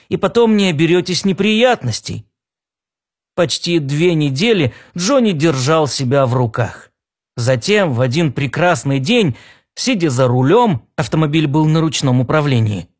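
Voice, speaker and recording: A man narrating a science fiction story in an expressive, storytelling manner. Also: fairly high pitch. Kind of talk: scripted audiobook narration.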